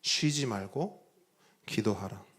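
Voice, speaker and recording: A man's voice: lowish voice, expressive, slow, a bit bright, breathy edge. A male pastor preaching a sermon, asking the congregation questions and answering them. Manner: emphatic preaching with rhetorical questions.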